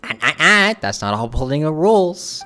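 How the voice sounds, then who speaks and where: A man's voice: on the high side, big pitch swings, normal speed, sharp tone. A male streamer giving casual reaction commentary, rambling with restarts and laughs.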